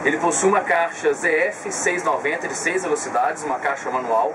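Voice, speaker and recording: Inside a parked motorhome, a young Brazilian Portuguese-accented man in his twenties calmly walks an interviewer through the details of his vehicle, pausing on filler sounds. His voice sits on the high side. He faces the camera at close range, yet the camera mic sounds distant, with clear background noise.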